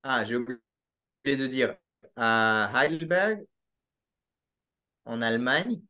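A young Belgian man with a Belgian French accent, chatting as a podcast guest. He talks in a casual, halting way, with frequent fillers and restarts. His voice comes through a laptop mic in a small room at home. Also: mid-range voice, animated, sharp tone. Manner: hesitant, with many restarts and fillers. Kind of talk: casual interview over video call. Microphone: laptop webcam mic on a video call.

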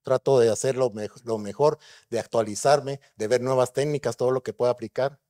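Man, middle-aged, neurosurgeon, conference lecture, warm low-toned voice, conversational, rhetorical questions. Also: steady tone, a little fast. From Guatemala. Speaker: neurosurgeon giving a conference talk.

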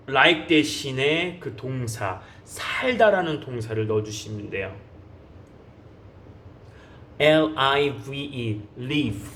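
Korean man, high voice, teaches English by drilling phrases slowly and coaxing learners. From South Korea. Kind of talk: online English lesson.

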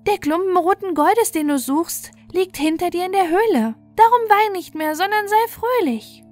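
A woman's voice: very high voice, lively intonation, normal speed, a little mellow, soft background music, pitched above the performer's own voice. A woman voicing a small, kind hare in a fairy tale, with an urgent, childlike delivery. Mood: kind, cheering. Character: small kind hare, quick and squeaky-high helper. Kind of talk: fairy tale storybook reading.

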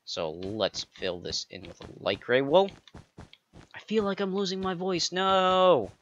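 A man narrating a step-by-step game building tutorial, counting blocks aloud with playful jokey asides and a slightly raspy voice. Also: high-pitched, expressive, unhurried, fairly bright tone, lo-fi sound, a little hiss or hum. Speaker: pixel art tutorial creator.

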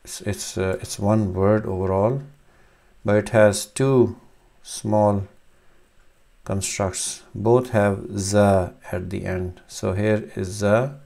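Slow, gravelly-voiced man teaching letters. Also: on the low side, fairly even intonation, warm tone. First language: Urdu. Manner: slow, halting explanation with many fillers. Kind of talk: screen-recorded reading lesson.

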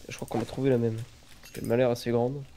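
A man's voice: medium pitch, flat delivery, fast talker, gravelly, warm tone. A man, chatting and joking casually while playing a game. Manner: chatty, jokey, gives gear advice. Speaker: let's play co-host. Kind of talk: casual gaming chat.

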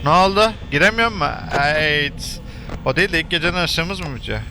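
A man talking through a horror game he is playing, joking to himself and yelling when scared. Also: a little high, moderate pace, background noise. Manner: chatty, jokey, shouts and curses when startled. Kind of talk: let's play commentary.

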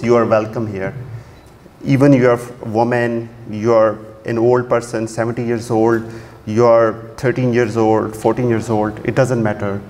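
A man's voice: medium pitch, slight background noise. Man in a hall. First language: Urdu. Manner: relaxed, many fillers and restarts. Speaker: conference speaker. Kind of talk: technical conference talk. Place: large dark auditorium, at a podium. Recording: long hall reverb, faint ambience.

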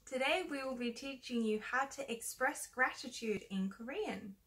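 Casting note: young woman, friendly teacher explaining phrases, somewhat high voice. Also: lively intonation, moderate pace, fairly bright tone. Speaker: Korean teacher, co-host. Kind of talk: language lesson explained in English.

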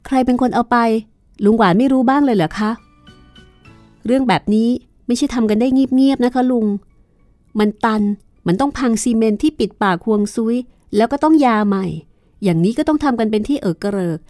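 A woman doing a sharp young woman questioner. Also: fairly high pitch, fairly quick, no room sound, soft background music, voice pushed up, close to an everyday voice. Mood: pressing. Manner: pressing, reproachful.

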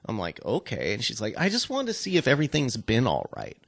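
A man's voice: mid-range voice, wildly swooping pitch, brisk, gravelly, no room sound. Casual man spinning stories, close dry sound. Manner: rambling, peppered with "like" and swearing. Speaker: podcast co-host telling stories. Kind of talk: casual profane storytelling chat.

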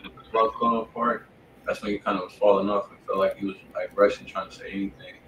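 An American man co-hosts a live music review in casual, profane slang. His voice is low and quite monotone. The sound is roomy and noisy, picked up away from the mic. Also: fast talker, recorded from a distance. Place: indoor room, live stream.

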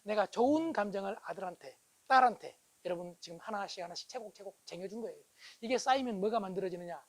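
Fast-talking, high-voiced male lecturer. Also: rough recording. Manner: asks the audience for agreement, swings from loud bursts to hushed asides. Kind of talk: animated public lecture. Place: lecture hall.

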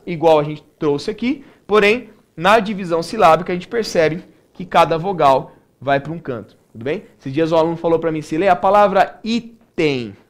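Brazilian male teacher with a somewhat high voice and a relaxed, conversational way of explaining, checking in often with students. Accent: Brazilian Portuguese. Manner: casual, keeps checking in with "né?" and "tudo bem?". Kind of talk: recorded online grammar lesson.

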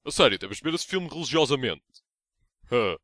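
A man with a European Portuguese accent voicing a smug, foul-mouthed vampire in a comedic anime parody dub, deadpan and mocking. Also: medium pitch, fairly quick, natural voice. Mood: sardonic, mocking. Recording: noisy amateur dub with clicks.

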